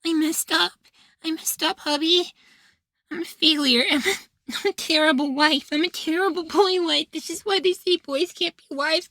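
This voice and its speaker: ASMR roleplay: young femboy househusband, played by a man, sweet and easily flustered; soft feminine tone, unhurried delivery, close dry sound. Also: very high voice, gravelly, no room sound, exaggerated voice. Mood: flustered, upset. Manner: coaxing, gently praising, sweetly apologetic.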